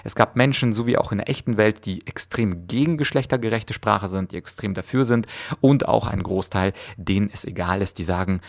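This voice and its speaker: A man hosts a podcast, talking through his topic in a calm, explanatory monologue. His voice sits low and sounds gravelly, and he pauses often with small hesitations. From Russia. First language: Russian. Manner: thoughtful, many hesitations with "äh". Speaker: podcast host.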